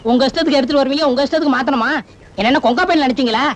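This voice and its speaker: Sharp-tongued village rogue, high and fast, faint music. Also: male voice. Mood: indignant. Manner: scolding, quick-tongued. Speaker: film comedian. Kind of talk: classic film comedy acting.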